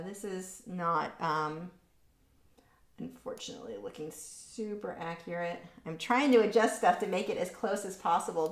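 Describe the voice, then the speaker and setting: A woman's voice: medium pitch, echoey room. A woman running a live painting lesson, chatting casually and reading out viewers' comments as she works. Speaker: art instructor. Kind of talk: live painting tutorial with chat.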